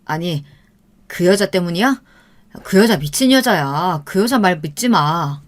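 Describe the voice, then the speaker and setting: A woman's voice: on the low side, animated, a little slow. A woman voicing a volatile, scheming young boyfriend who snaps in anger and then turns coaxing. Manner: snapping, hostile, then suddenly soft.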